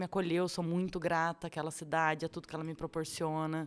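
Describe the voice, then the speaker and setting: On a very clean recording with a silent background, a woman talks at a fairly quick pace and a fairly low pitch. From Brazil. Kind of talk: warm, conversational Portuguese.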